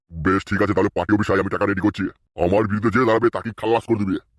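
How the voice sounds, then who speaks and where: Doing a cartoonish character voice, a man with a fairly low pitch talks at a very fast pace with fairly even intonation. The recording is very clean, with a silent background and a dry, close sound with no echo. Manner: gruff, domineering.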